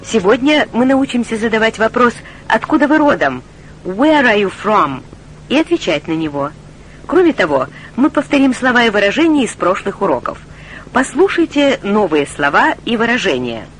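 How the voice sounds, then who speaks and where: A woman hosting a scripted radio language lesson, presenting in a clear, instructive, measured way. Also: fairly high pitch, sing-song, slight background noise, poor audio. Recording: studio voice with faint music.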